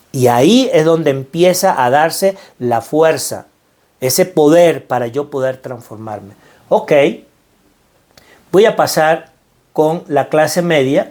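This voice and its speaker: In this motivational talk, a middle-aged Venezuelan man speaks about financial mindset in an earnest, preacherly way. He repeats phrases for emphasis. His voice is fairly high with a darkish tone.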